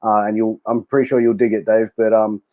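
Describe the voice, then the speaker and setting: A man's voice: fairly low pitch, flat delivery, a little fast, muffled recording. A man hosting a casual podcast interview, chummy and friendly, peppering his talk with dude and bro. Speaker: podcast host.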